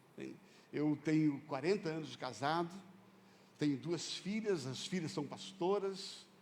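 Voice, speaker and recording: A man's fairly high voice at a fairly slow pace, with ordinary pitch variation, big swings in loudness, long and frequent pauses, and audible room echo. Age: 60s. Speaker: pastor. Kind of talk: sermon testimony.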